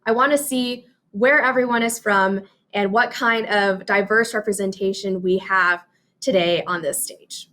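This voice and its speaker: A woman's voice: medium pitch, steady tone, measured pace, a bit bright. A woman hosting a conference stage, reading upbeat, formal introductions from a script. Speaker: conference host.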